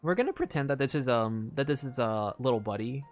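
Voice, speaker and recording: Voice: medium pitch, expressive, brisk. A game streamer giving casual, reactive playthrough commentary, thinking aloud and reading game text. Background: game music.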